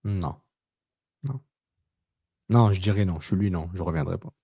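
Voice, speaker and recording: A man's voice: sits low, normal speed, warm tone, husky, no echo, clean studio sound. A man co-hosting a casual soccer podcast, talking bluntly, repeating himself and slipping in English words. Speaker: podcast co-host.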